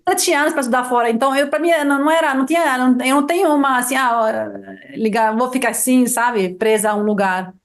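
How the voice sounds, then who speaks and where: A middle-aged woman with a high voice, originally from Lebanon and a native Arabic speaker, chats with an interviewer. She tells stories in a lively way, often restarting her sentences and checking in with "you know?". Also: quick pace, hardly any pauses. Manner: lively storyteller, many restarts and "sabe?" tags. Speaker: guest. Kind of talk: casual interview chat.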